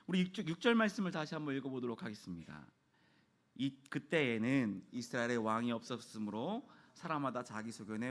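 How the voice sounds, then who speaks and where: A man in his thirties, a pastor, preaching a midweek sermon in a church and acting out quoted dialogue in his stories. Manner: storytelling, acts out quoted dialogue with raised pitch. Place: church sanctuary.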